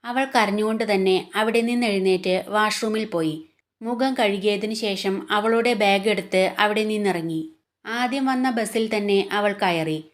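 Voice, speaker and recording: Woman narrator, romance serial, steady even reading, mid-range voice. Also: mid-range voice. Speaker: storyteller. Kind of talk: scripted narration.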